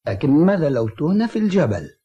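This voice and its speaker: A man's voice: a little high, big pitch swings, quick pace, mellow, breathy edge, muffled recording. A man voicing a polite, hesitant young village doctor in an Arabic cartoon dub, earnest and easily pressured.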